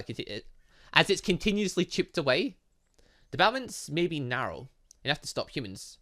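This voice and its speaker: A man reading visual novel dialogue aloud as a gaming host, playfully breaking in with his own asides and reactions. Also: medium pitch. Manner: animated, interjecting, playful asides.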